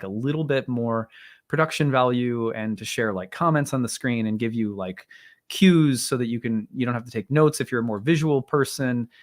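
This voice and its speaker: A man in his thirties or forties hosts a livestream and reads an astrology chart in a loose, rambling way, with plenty of fillers and restarts. His voice is strained and wearing out, and he clears his throat now and then. His pitch sits in the middle range for a man. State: voice strained and tiring. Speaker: astrologer, live stream host. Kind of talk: casual livestream talk and chart reading.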